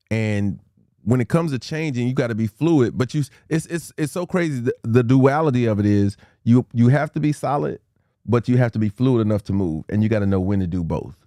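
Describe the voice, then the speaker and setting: A man with a lowish voice hosts a casual livestream, talking loosely to viewers and his guest. He is playful and chatty, with a lilt. The sound is close and dry, with no room around it. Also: a little mellow, no echo. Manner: playful, hypes the audience, drops into quick freestyle rhymes. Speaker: livestream host.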